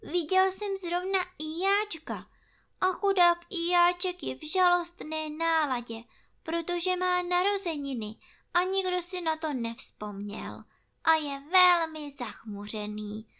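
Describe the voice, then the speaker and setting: A woman's voice: very high voice, bright, forceful tone, pitched above the performer's own voice, heavily acted. A woman voicing a kind, muddled little male teddy bear who sounds eager and wondering in a storybook reading. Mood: friendly.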